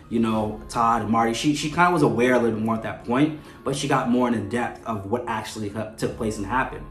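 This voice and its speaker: On his soap opera fan show, a mid-pitched man delivers conversational commentary dissecting the characters, frequently finishing a thought with "right?" His chatty voice bounces around a roomy, echoing space while music runs beneath him.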